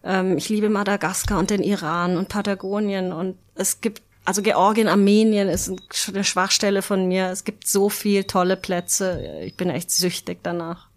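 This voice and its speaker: A woman speaks as a guest in a casual podcast interview, her voice sitting at a middle pitch. She tells her stories in a lively, chatty way, often pausing on filler sounds. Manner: lively storytelling with many fillers.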